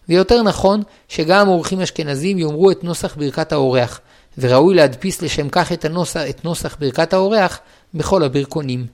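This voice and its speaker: A man reading a Jewish law book aloud in a measured, steady recitation, now and then restarting a word. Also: a little high. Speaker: reader of a Jewish law text. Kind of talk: formal read-aloud of a religious law book.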